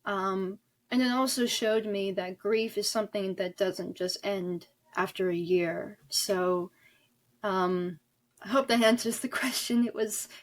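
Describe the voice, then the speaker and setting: A woman in her twenties talking reflectively as an interview guest, often halting as she searches for words. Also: medium pitch. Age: 20s. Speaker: guest author and audio drama creator.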